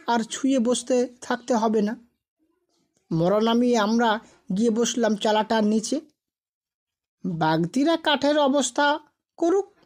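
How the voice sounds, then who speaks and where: A woman with a fairly high voice narrates a scripted spooky tale. She reads as a storyteller, telling the ghost story in narrative prose. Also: a little mellow.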